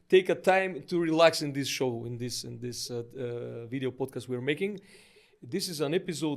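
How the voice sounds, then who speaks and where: A man with a Macedonian accent speaks at a moderate pace. His pitch is fairly high, with ordinary variation. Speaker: podcast host and musician. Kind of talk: casual interview. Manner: halting.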